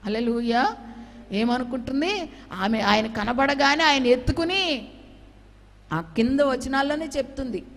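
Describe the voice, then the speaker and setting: Woman preacher, high voice, fervent sermon full of hallelujahs, recorded in an echoing hall. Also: gravelly. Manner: fervent, punctuated by frequent hallelujahs; swings between loud exclamations and soft low asides. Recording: reverberant hall.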